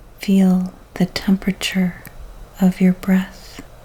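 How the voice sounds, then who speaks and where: A woman speaks very slowly at a medium pitch, her intonation flat and monotone, with noticeable background noise. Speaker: wellbeing guide. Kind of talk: guided grounding meditation. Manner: calm, lowered tone; slow, soft-spoken.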